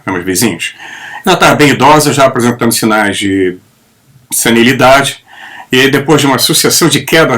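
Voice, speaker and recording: A man's voice: mid-range voice, bright, forceful tone. Older man musing aloud. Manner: opinionated, rambling storyteller. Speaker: channel host. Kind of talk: casual spoken monologue. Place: home in the Netherlands.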